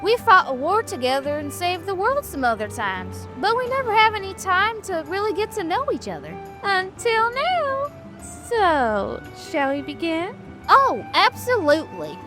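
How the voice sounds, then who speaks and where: A woman voicing a friendly, teasing young female cartoon animal with playful, expressive banter in an audio drama. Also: very high voice, unhurried, soft background music, exaggerated voice. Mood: friendly, excited.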